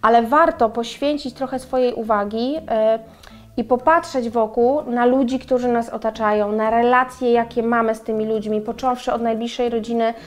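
Brief: middle-aged woman, co-host, animated and chatty, talks to viewers, slightly high voice, lapel mic. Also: moderate pace. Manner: animated, gesturing, addresses viewers directly. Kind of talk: casual chat. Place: bright room with flowers and windows.

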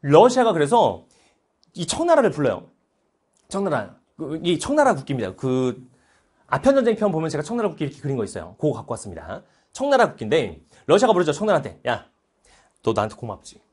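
A man in his thirties teaching history in a lively lecture, animated and playful, breaking into joking voices. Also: a little high, fast talker, husky. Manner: animated, playful, puts on mock foreign voices.

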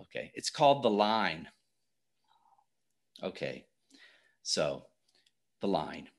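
Lively-voiced male podcast host. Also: deep voice, slow pace, creaky. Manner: warm, hesitant, with many restarts. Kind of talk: podcast interview.

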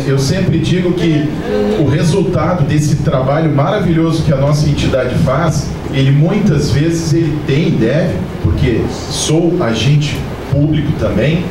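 A middle-aged man, from Rio Grande do Sul, giving an effusive formal speech to a meeting with a handheld mic. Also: on the high side. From Rio Grande do Sul, Brazil. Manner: effusive, ceremonious thanks. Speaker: council member addressing a meeting. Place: conference room, indoors. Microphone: handheld mic, far camera. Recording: echoey room from far off, with room noise.

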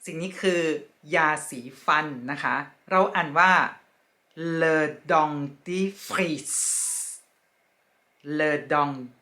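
Female language teacher, patient and polite, slow drilled repetition, bright tone. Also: on the low side, fairly even intonation. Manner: slow, careful repetition of each word; polite, ends phrases with soft particles. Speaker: French teacher. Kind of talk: vocabulary lesson.

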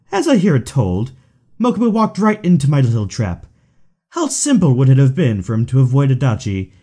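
A man's voice: mid-range voice, mellow, husky. A man playing a smug, taunting aristocratic villain in an audio drama, drawling with mocking condescension.

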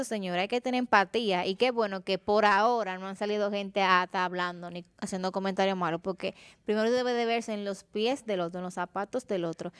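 Woman co-host, calm and empathetic, smooth voice, dry close sound. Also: mid-range voice, no room sound. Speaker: co-host of a talk show. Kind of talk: studio debate.

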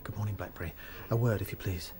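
A British man acting a polite, level-headed young rabbit leader in a radio play, speaking in a measured, questioning way. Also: on the low side, loud music behind the voice, natural voice. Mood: wary.

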